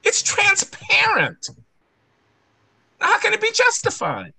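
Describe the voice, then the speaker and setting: A man's voice: extremely high pitch, wildly swooping pitch, takes it slowly, creaky, sharp tone, no echo. A man speaking as a panelist in a discussion, talking emphatically with lots of restarts. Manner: emphatic, ranting, many restarts.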